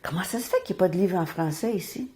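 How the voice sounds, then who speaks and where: Mellow-voiced Franco-Ontarian woman author. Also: on the low side, fast. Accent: Franco-Ontarian French. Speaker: author interviewed.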